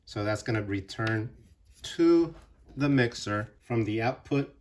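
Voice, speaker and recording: A man's voice: on the low side, lively intonation, measured pace, darkish tone, a little hiss or hum. A man presenting a casual hands-on tutorial on equipment, explaining things plainly, step by step. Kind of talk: casual hands-on gear demonstration.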